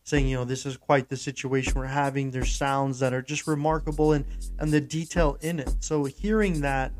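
A man's voice: mid-range voice, steady tone, normal speed, soft background music. A man with an American accent hosting a show, giving informal, rambling commentary with emphatic points. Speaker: podcast host. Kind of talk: casual commentary to listeners.

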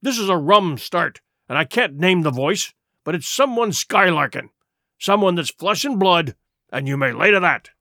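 A man voicing a stubborn, defiant old pirate leader with rough, blustering sailor's talk. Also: high voice, animated, normal speed, bright, forceful tone, dry recording, clean studio sound, exaggerated voice. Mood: steadying.

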